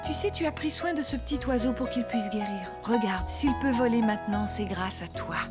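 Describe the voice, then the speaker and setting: A woman voicing a gentle young mother in a dubbed cartoon, soft and encouraging. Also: a little high, normal speed, over loud music, close to an everyday voice.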